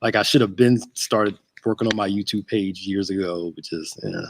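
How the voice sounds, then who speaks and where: A man's voice: sits low, moderate pace, a little hiss or hum. A man in his thirties, a pastor hosting a casual chat show from a church sanctuary, laid-back and joking. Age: 30s.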